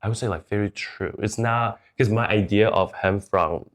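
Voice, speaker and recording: A man's voice: fairly low pitch, normal speed. A man from Taiwan who moved to Chicago, talking candidly and conversationally as an interview guest.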